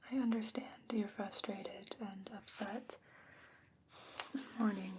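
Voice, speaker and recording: A woman playing a gentle, patient fantasy scholar who defends merfolk, speaking in a hushed, measured, explanatory way in a whispered ASMR roleplay. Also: a little high, slight background noise, natural voice. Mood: gently firm.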